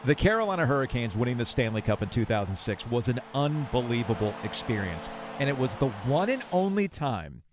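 A man's voice: mid-range voice, sing-song, a little fast, noisy background. A man hosting a sports podcast, narrating a scripted story about local sports.

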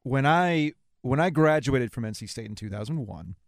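A man in his forties speaks as a podcast host in a conversational interview. His voice sits at a medium pitch and he tells stories as he leads into questions. The recording is dry, with hardly any room sound. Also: lively intonation, moderate pace, dry recording. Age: 40s.

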